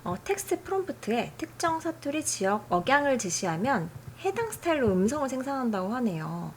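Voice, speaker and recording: A woman hosting a software tutorial, explaining settings in a friendly, chatty way. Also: high voice, very animated, a little fast, slight background noise. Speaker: tutorial host.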